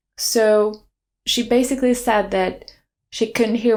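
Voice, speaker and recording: Soft-spoken and fairly slow, a woman with a non-native accent is heard on a very clean recording with a silent background. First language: not English. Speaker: choreographer and podcast host. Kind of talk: podcast monologue.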